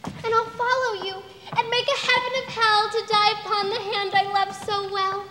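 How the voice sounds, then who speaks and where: Seeking young woman as lovesick Shakespearean maiden: very high, piercing, pleading, stubborn, echoing theatre. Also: little pitch movement, moderate pace, pushed and bright. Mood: desperate adoration. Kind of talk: staged Shakespeare reading. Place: stage in large auditorium. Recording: echoey hall, faint noise.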